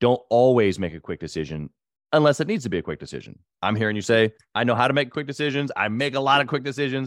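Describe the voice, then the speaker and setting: At a very fast pace, a man speaks at medium pitch, the sound dry and close with no echo and the recording very clean with a silent background. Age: 30s. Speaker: podcast host. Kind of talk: casual interview.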